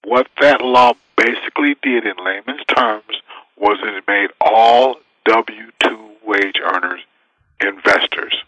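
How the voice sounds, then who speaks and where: Male guest advisor, emphatic, sharp tense tone, dry sound. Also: on the low side, slow, no room sound, rough recording. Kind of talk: interview answers.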